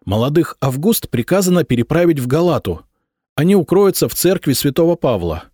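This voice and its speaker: A man voicing a young man disguised as a courtier in an audiobook, speaking in a shrill, squealing rush. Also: very animated, fairly quick, warm tone, slightly rough, no echo, clean studio sound. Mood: urgent.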